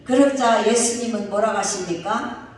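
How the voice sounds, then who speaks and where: A woman pastor giving a lively sermon, posing rhetorical questions to her congregation. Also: mid-range voice, moderate pace. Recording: echoey hall, distant mic, faint hiss.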